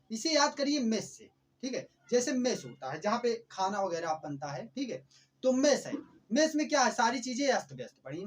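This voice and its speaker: A man teaching English vocabulary who keeps asking quick questions and repeating each word before answering it. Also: very high voice. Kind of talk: explanatory vocabulary lesson.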